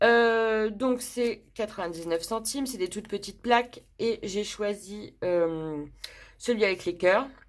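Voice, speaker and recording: A woman speaks very slowly in a fairly high pitch. Her pitch variation is ordinary. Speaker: crafting YouTuber. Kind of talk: product haul show-and-tell. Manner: casual, hesitant with many fillers.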